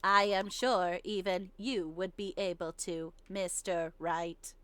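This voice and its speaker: A woman's voice: fairly low pitch, smooth, no echo. Woman putting on a stilted robotic male witness. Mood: detached, condescending. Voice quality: robotic, flat, stilted delivery. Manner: clipped, terse, halting phrases. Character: robotic-voiced male bomb disposal witness, terse and detached. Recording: game music behind the voice.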